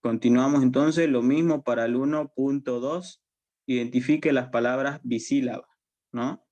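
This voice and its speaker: A Bolivian man leads a university language class in a mid-pitched voice. He explains step by step and repeats his points. He keeps asking the students whether it is clear. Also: steady tone, normal speed, darkish tone. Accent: Bolivian Spanish. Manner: patient, repetitive, checks understanding often. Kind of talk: online class lecture.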